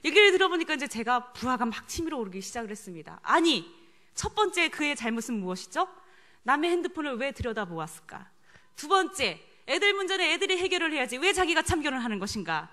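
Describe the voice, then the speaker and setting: A woman's voice: high-pitched, sing-song, fast, bright, forceful tone. A middle-aged woman preaching a sermon. She tells a personal story and asks the congregation questions.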